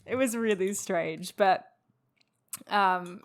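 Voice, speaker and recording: A woman's voice: mid-range voice, slow pace. A woman co-hosting a podcast, chatting casually about an anime and laughing often. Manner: giggly, enthusiastic. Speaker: podcast co-host. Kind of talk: casual chat recapping an anime.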